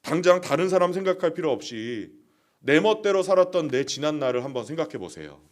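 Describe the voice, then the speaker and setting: A man's voice: a little high, very animated, fairly quick. A male pastor preaching a sermon, who keeps asking his congregation questions and plays out short dialogues.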